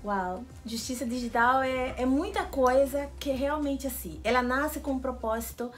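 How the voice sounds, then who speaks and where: The guest on a regional TV interview show: a Peruvian-born, woman with a highish voice, explaining her project keenly. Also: moderate pace, faint music behind. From Lima, Peru. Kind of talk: enthusiastic explanatory interview answers.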